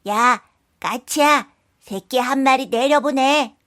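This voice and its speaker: A woman's voice: sits high, takes it slowly, a bit bright, voice pushed up. Woman voicing a blustering bully of a fox. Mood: menacing. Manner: blustering, demanding. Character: bullying, hot-tempered, gullible fox. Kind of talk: children's folktale character voice.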